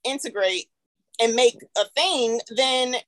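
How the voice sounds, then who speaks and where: A woman's voice: fairly high pitch, slow pace, no echo, poor audio. A woman with an African American accent speaking emphatically in a group discussion, often checking for agreement. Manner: emphatic, seeks agreement with "right?". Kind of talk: animated panel discussion.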